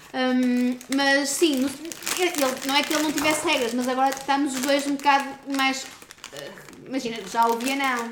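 A woman speaks at a high pitch and a moderate pace. Noticeable background noise can be heard. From northern Portugal, Porto. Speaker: podcast co-host, mother. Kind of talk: casual chat.

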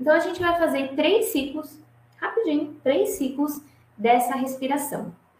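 A woman is speaking, with noticeable background noise. Audible room echo surrounds her voice. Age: 20s. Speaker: holistic therapist and self-knowledge mentor. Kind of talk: guided breathing exercise; online class livestream. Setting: livestream at home. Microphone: laptop microphone.

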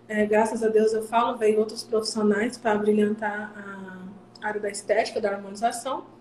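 Noticeable background noise is present. A woman talks through it at a moderate pace. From Brazil, Mato Grosso do Sul (Três Lagoas). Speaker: aesthetic biomedical practitioner. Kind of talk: casual interview. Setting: live video stream from her clinic.

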